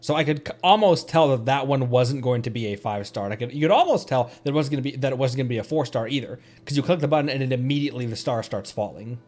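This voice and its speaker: A man's voice: medium pitch, lively intonation, fast talker, hardly any pauses, darkish tone. A man chatting casually on a livestream during gameplay, easygoing and rambling as he corrects himself. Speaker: livestreamer, VTuber. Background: faint game music.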